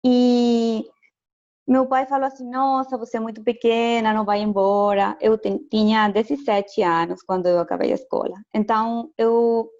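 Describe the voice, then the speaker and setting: The lo-fi sound captures a fairly high, darkish female voice speaking with a steady tone at a moderate pace. She is a Chilean education lecturer with Spanish as her first language, guesting on a casual video call and speaking Portuguese carefully and hesitantly with a Chilean accent, often laughing.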